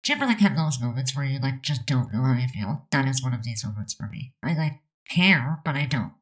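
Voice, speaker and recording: A woman's voice: rumbling low, lively intonation, fairly quick. A woman chatting casually over a building video, rambling with lots of fillers, her nose stuffed up. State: stuffed up, about to sneeze. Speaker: Sims builder narrating a speed build.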